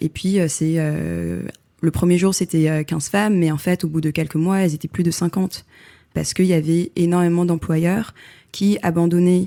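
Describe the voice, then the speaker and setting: In a very clean recording with a silent background and a dry, close sound with no echo, a woman speaks at a fairly low pitch with a dark, mellow tone, fairly even intonation and a moderate pace. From France and Thailand. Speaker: photographer. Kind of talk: interview answer.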